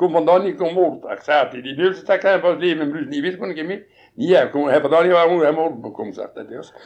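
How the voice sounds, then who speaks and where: This man's pitch is fairly high and varies in an ordinary way. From Assenede, East Flanders, Belgium. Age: 50s. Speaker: retired farmer. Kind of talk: interview. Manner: halting.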